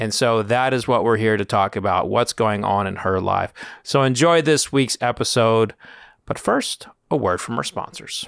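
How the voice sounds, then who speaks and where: In an ordinary speaking voice with ordinary pitch variation, a man is heard on a very clean recording with a silent background and a dry, close sound with no echo. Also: medium pitch for a man, moderate pace. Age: 40s. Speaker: podcast host and whiskey writer. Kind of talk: casual chat and tasting interview.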